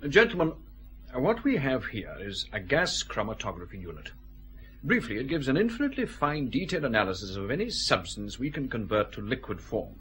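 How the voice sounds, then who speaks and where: An actor playing a precise customs officer who patiently explains a lab analysis. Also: male voice, medium pitch, sing-song, a little fast, a bit bright. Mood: explaining. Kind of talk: radio drama acting.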